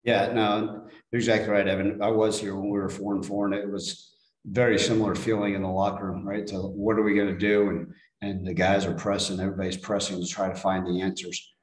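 A man's voice: lowish voice, flat delivery, brisk, roomy sound, rough recording. A middle-aged man, a head football coach, answering questions at a post-game press conference in a plain-spoken way, often repeating words as he restarts.

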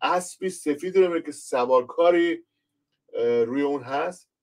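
A man's voice: a little high, darkish tone, far from the mic. A man from Iran, a pastor, giving a conversational online Bible lesson and speaking directly to his listeners as he explains.

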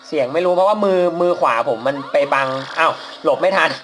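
Chatty Thai gamer man, higher voice. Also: fast, a bit bright, faint music behind. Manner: chatty, polite, laughs at his own mistakes. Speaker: mobile game reviewer. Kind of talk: casual gameplay commentary. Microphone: phone mic while playing on a phone.

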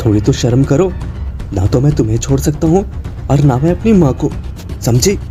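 A man's voice: medium pitch, animated, normal speed, warm tone, soft background music. A man narrating a cartoon moral story and voicing the husband, firm and reproachful in his lines.

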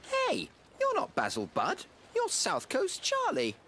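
A woman's voice: extremely high pitch, wildly swooping pitch, slow pace, full character voice. A woman voicing a polite, earnest and stubborn young bear in a children's cartoon. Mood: triumphant. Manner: polite, earnest, literal-minded. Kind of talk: animated children's cartoon acting. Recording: music under the voice.

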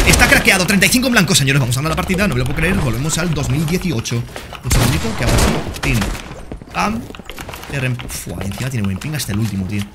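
A young man giving excited, jokey commentary over his own gameplay, talking straight to his viewers. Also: mid-range voice, very noisy. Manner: excitable, talks to viewers as "señores" and "tío", jokey. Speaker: gaming streamer.

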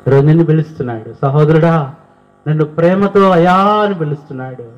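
A man's voice: on the high side, brisk. A man preaching a sermon fervently, firing rhetorical questions at his listeners and building to emphatic peaks. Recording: dull lo-fi recording.

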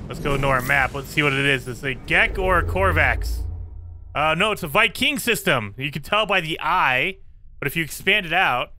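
Chatty gamer guy with a raspy voice. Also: fairly high pitch, sharp tone. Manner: chatty, talks to viewers while playing. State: slightly hoarse. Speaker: gaming channel host. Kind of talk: casual gameplay commentary.

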